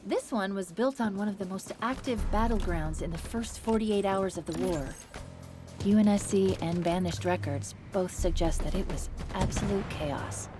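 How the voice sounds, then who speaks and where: An actress playing an upbeat young female military AI companion in a video game, briefing in a brisk, chatty, eager way. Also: medium pitch, lightly acted. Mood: briefing, curious. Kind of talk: video game mission dialogue. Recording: loud game music behind.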